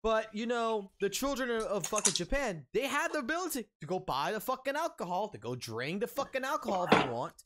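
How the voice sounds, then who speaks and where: Streamer, thirties, male: heated profane rant, lively pitch, slight hiss on the line. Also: fairly quick, hardly any pauses. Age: 30s. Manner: profane, heated, rambling with restarts. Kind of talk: ranting open discussion.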